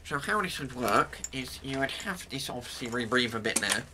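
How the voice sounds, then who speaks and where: A man's voice: medium pitch, expressive, moderate pace. A British man in his twenties with a nasal, blocked-nose voice, giving a casual, rambling explanation. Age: 20s. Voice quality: nasal, blocked-nose sound with the nose closed off by a mask. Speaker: presenter of military gear reviews. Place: small cluttered room at home. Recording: clearly noisy home-room recording.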